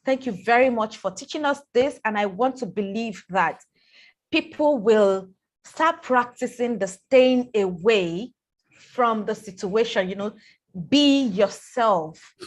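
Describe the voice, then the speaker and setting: A woman hosting a live online talk, speaking warmly and haltingly, often repeating words as she thinks. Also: on the high side, lively intonation. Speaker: host.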